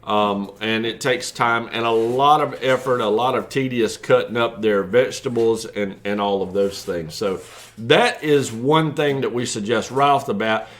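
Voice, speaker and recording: A man's voice: mid-range voice, moderate pace. A man who breeds reptiles, explaining care tips in a casual, folksy way with many fillers.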